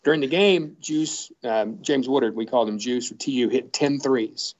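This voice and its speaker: A man who broadcasts sports, telling stories in a casual podcast chat with animated, quick bursts. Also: mid-range voice, muffled recording.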